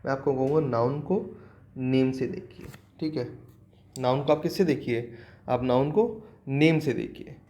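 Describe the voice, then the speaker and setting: Indian man, grammar tutor, question-and-answer lecturing, mid-pitched voice. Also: unhurried, mellow. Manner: asks the class questions and answers them himself; repeats key words, mixes English into Hindi. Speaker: English teacher. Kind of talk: classroom lecture.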